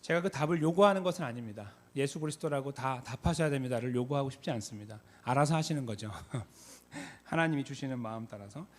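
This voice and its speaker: A man pastor giving a conversational sermon, with frequent filler pauses. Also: mid-range voice. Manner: conversational, many fillers, reenacts shouted call-and-response. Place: church sanctuary.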